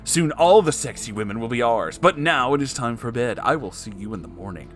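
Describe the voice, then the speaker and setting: A man's voice: medium pitch, animated, fairly quick, soft background music, lightly acted. A man voicing an eager, scheming young male tech founder in a raised, melodramatic tone. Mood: excited.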